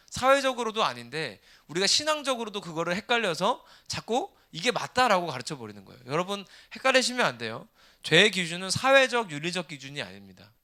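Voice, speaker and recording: A man in his thirties preaching a sermon, asking the congregation rhetorical questions in an animated way. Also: sits high. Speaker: pastor.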